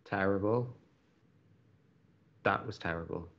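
A man playing an earnest, love-struck young college radio host in an audio drama, speaking in a deliberate, pleading way. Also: deep voice, lo-fi sound. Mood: disapproving. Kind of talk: naturalistic audio drama acting.

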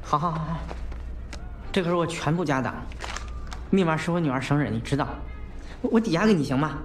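An actor playing a hapless, evasive delivery man in his thirties, halting and rambling in film dialogue. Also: on the high side, lively intonation, long reverb tail, slight background noise, lightly acted. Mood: placating.

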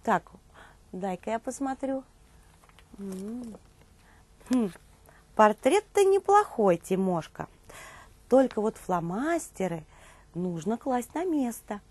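Brief: female children's storyteller, thirties, high-pitched voice with a slightly rough, breathy edge. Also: sing-song, slow pace, long pauses, a little mellow, no room sound. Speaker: children's show presenter and storyteller. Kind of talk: expressive storytelling for young children. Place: indoor TV studio dressed as a nursery.

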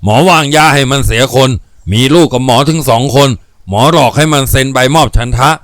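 A man's voice: mid-range voice, a little fast, fairly bright tone, no echo, lightly acted. Bitter mocking old guy with a shotgun, taunting, dry close sound, man playing him.

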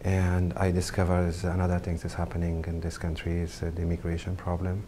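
Low, flat-voiced middle-aged man. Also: background noise. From Afghanistan. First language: not English. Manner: halting, many pauses and fillers. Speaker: photographer. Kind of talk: interview to camera. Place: indoor studio set with brick wall.

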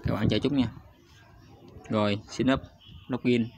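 A man's voice: medium pitch, fairly even intonation, a little slow, darkish tone. A man hosting his channel, talking viewers through a screen recording in a chatty, hesitant way, with frequent fillers and constant asides to the audience. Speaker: YouTube channel host. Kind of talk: casual screen-recorded walkthrough. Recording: slightly dull lo-fi sound.

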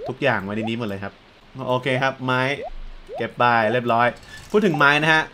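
A young man giving casual, chatty commentary while playing a farming game, often breaking into excited exclamations. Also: mid-range voice, fairly quick, a crowd in the background. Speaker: let's play gamer.

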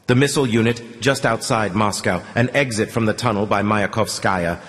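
A man's voice: fairly low pitch, normal speed, fairly bright tone, in a large hall, natural voice. A man voicing a blunt, sarcastic middle-aged soldier who leads a squad. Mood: businesslike.

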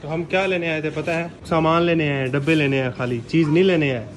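A man with a notably high-pitched voice films a casual family vlog. He teases and coaxes children in a playful, chatty way. The camera audio carries clear background noise from outdoors. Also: fairly even intonation, a little fast. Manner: playful, teasing, coaxing. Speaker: vlogger.

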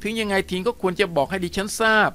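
A woman's voice: medium pitch, fast talker, a bit bright, voice pushed up, natural voice. A man voicing a prim, strict young female teacher who talks in a formal, fussy, complaining way. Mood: indignant.

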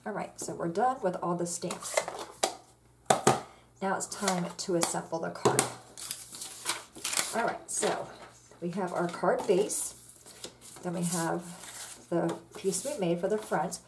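Chatty woman crafter, low voice. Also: slow pace, pauses often, very noisy. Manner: chatty, relaxed, step-by-step instructions with fillers. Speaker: card-making tutorial host. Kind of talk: casual crafting demonstration. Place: indoors at a craft table. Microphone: overhead camera on the tabletop, hands only.

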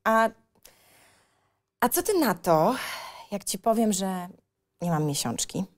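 A coy eighteen-year-old girl played by a woman, speaking softly and teasingly. She is clingy and evasive, in a subdued, intimate audio drama delivery. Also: mid-range voice, sing-song, slow pace. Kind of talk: script reading for audio drama.

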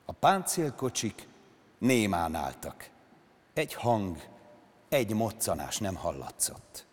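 An actor performing a dramatic literary reading on stage, with slow, measured phrasing. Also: male voice, lowish voice, big pitch swings, slightly rough. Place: large concert hall on stage. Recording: reverberant concert hall.

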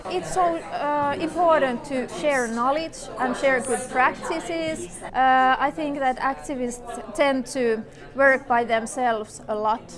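A woman's voice: sits high, steady tone, slow pace, few pauses, a crowd in the background. A woman from Finland, a nonprofit director, speaking in an upbeat, informative way in a documentary interview. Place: indoor room with plants.

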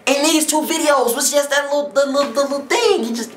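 Young man, reaction vlog host, excitable, exclaiming, faint background noise, echoey room. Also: very high voice, quick pace. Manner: animated, exclaiming and shouting in disbelief.

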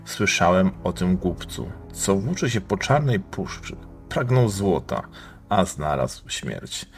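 A man's voice: low-pitched, big pitch swings, slow pace, soft background music, heavily acted. A man playing a huge, mad, menacing innkeeper with a bestial roar in an audiobook drama. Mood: gloating, mad. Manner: roaring, wild mirthless laughter.

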